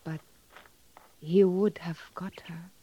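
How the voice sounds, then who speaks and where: An actress playing a young Native American woman in a radio drama, earnest and softly curious, speaking halting, simple, solemn broken English. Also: lowish voice, steady tone, breathy edge. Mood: solemn, wistful. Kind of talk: 1950s radio drama acting. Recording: muffled vintage radio recording.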